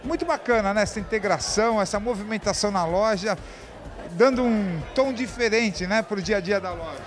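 A man's voice: sits high, moderate pace, music in the background. A man with a Brazilian Portuguese accent, hosting and interviewing guests at a party with a handheld mic, full of compliments. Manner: enthusiastic, complimentary. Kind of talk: upbeat event interview. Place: crowded evening party venue.

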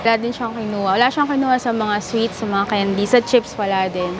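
A woman's voice: on the high side, fairly even intonation, fairly quick. Chatty young woman vlogging in a supermarket. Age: young adult. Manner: chatty, reads out prices and product names. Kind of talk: casual vlog narration while shopping. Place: large air-conditioned supermarket. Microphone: handheld camera at arm's length. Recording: noisy store ambience.

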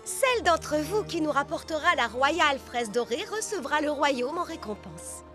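High-voiced dignified queen. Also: animated, pushed and bright, faint music behind. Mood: stately, reproving. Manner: formal, measured. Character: dignified fruit queen, composed and reproving mother. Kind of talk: French cartoon dub acting.

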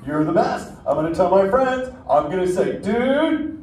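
During a live interactive theme show, a male performer talks with the audience while voicing a laid-back male surfer sea turtle who drawls "dude" and "man." His voice is high-pitched with lively intonation at a normal speed, and the recording is roomy, with a distant mic and ambient noise.

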